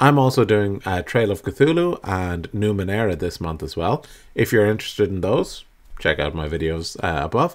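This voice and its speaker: Against a quiet background, a man with a fairly low voice talks at a moderate pace. His pitch swings very widely. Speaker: game hobby vlogger. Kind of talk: casual vlog chat. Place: home room. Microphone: webcam.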